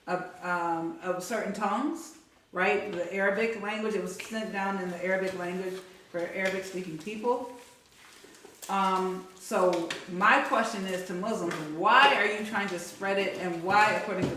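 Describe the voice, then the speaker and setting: A woman's voice: medium pitch, fairly bright tone. Lady on a livestream panel, lots of ums, sounds far off w/ a bit of hiss. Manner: halting, many fillers, laughing asides. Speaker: panel guest. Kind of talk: casual livestream chat. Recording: roomy, distant mic, faint noise.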